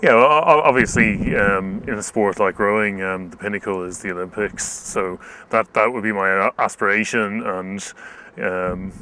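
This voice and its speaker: A man in his thirties gives a reflective interview in a deep but bright, forward voice. He phrases his thoughts hesitantly, picking his way through them. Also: slight background noise. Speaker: rower and student.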